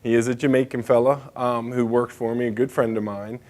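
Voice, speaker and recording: A man's voice: mid-range voice, fairly even intonation, fairly quick, darkish tone. A man giving a conference presentation as a state bridge engineer, speaking casually with frequent fillers and asides.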